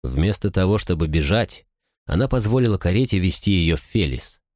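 A male narrator with a very deep, low voice reads an audiobook at a steady, measured pace. The recording is dry and close, with no room sound. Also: dry recording. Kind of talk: scripted narration.

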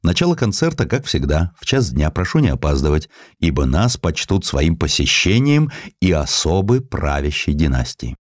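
A man's voice: extremely low pitch, very animated, moderate pace, hardly any pauses, no echo, clean studio sound, heavily acted. A man voicing a reserved male orchestra conductor in a storybook reading, formal, polite and insistent. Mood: businesslike.

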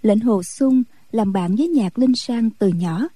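A woman reading a martial-arts storybook aloud in a steady, even-paced narration. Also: a little high, a little slow, slightly rough, no room sound, low-quality recording. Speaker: audiobook narrator.

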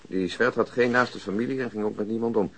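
A man's voice: on the low side, steady tone, a little fast, a bit bright, breathy edge, rough recording. An actor playing a dry, unflappable policeman in a radio drama, matter-of-fact and needling towards his colleague. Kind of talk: Dutch radio drama acting, conversational.

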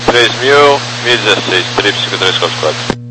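Brazilian guy pilot, lowish voice, chatty readbacks on noisy radio. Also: lively intonation, normal speed. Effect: aviation radio transmission. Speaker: airline pilot. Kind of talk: conversational radio readbacks and queries. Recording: noisy cockpit radio with hum.

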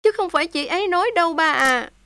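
A woman's voice: high-pitched, moderate pace, dry recording, pitched above the performer's own voice, close to an everyday voice. A woman voicing a young heroine who is daring and tender, pleading with feeling. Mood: tender, tearful. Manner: impassioned, tearful pleading.

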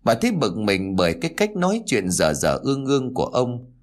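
A male storyteller reading a scripted folk story with expressive, dramatic delivery. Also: medium pitch, fairly quick. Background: faint music.

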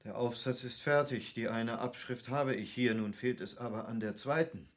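A wealthy, cultivated country baron, played by a male actor in a German radio drama. He is earnest and affectionate, with a mid-pitched voice. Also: normal speed, lightly acted. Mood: matter-of-fact.

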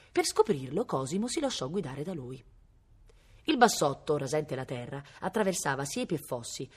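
A woman's voice: sits low, slightly rough. A woman reading a novel aloud expressively, now and then mimicking animal sounds. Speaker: reader. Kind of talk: read-aloud novel narration.

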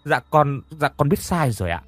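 A male narrator doing a frightened servant woman, stammering and hushed as she pleads with her mistress. Soft and submissive, her voice sits lower and quieter than the narration, recorded dry. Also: sing-song, normal speed, no room sound, faint music behind. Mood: begging. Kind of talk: audiobook narration.

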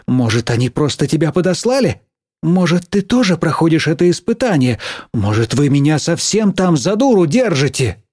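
Brief: excitable middle-aged schoolteacher woman, put on by a male reader, shrill and high, recorded dry. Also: moderate pace, breathy edge, no room sound. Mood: scolding. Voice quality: raised shrill voice, scolding and fussing. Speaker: teacher. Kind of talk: audiobook character reading.

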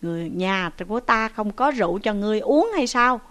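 A woman's voice: mid-range voice, expressive, brisk, a bit bright, natural voice. A woman voicing a shrewd, stern male village headman who speaks in a commanding, scolding way.

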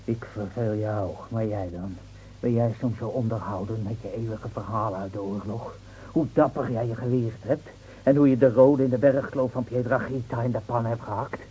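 An actor playing a hot-tempered, sarcastic village gendarme who complains in a radio play. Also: male voice, medium pitch, steady tone, normal speed, mellow, a little hiss or hum, natural voice. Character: grumbling, hot-tempered village gendarme, sour about his transfer. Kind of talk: Dutch radio play acting. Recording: dull, muffled old radio recording.

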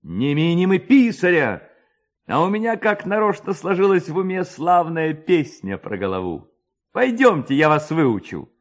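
Man playing a bold young ringleader, raised animated voice. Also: a little high, moderate pace, voice pushed up. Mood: rousing, defiant. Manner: spirited, exclaiming, rallying. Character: bold young village lad, mischievous ringleader. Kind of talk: dramatised reading of a classic tale.

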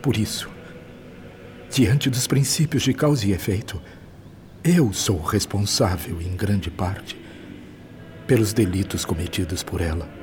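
Low-voiced, penitent Brazilian actor as a benevolent spirit. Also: male voice, darkish tone, a little hiss or hum, natural voice. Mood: solemn, repentant. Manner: solemn, slow, earnest pleading. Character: penitent, devoted male benefactor spirit seeking rebirth. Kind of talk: Brazilian radio drama acting. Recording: music behind the voice. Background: music.

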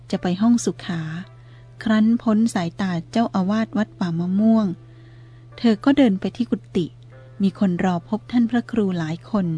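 A woman narrating a story in a steady, even tone with a husky voice. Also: medium pitch.

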